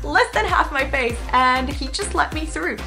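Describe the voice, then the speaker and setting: Excitable young woman, blended accent. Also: high voice, moderate pace. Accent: blended British and North American. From Czech Republic. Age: 20s. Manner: chatty and excitable, laughs often. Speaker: travel vlogger. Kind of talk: casual vlog narration. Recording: music playing behind voice-over.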